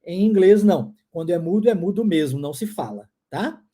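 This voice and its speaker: A man from New Jersey who teaches English, giving a pronunciation lesson. He repeats English words slowly for learners to copy and chuckles often. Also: sits high, lively intonation, dark tone, slightly rough. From United States, New Jersey.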